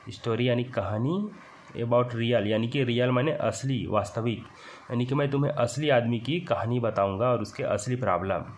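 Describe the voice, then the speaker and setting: Hindi-accented male teacher explaining slowly. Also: mid-range voice, slight background noise. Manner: reads English words slowly, then explains them in Hindi. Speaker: English teacher. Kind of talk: classroom lesson explaining a text.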